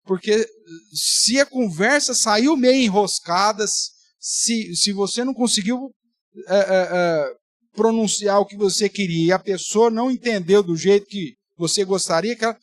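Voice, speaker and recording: A man's voice: sits high, a little slow, dry recording, clean studio sound. A man, a pastor teaching a Bible study in a conversational way with playful exaggeration. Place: church.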